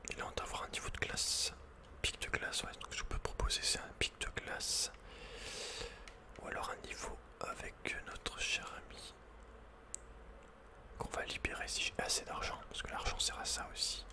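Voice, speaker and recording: A man whispering unhurriedly as he thinks aloud, hosting an ASMR video game playthrough. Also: moderate pace. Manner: whispering throughout. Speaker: ASMR gamer host.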